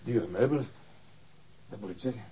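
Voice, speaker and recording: Man doing low voiced clipped detective, cool n fussy, radio play, bit of hiss. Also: a little fast, warm tone, close to an everyday voice. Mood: disdainful. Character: cool, fastidious detective picking locks, Gunvald. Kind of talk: naturalistic radio drama acting.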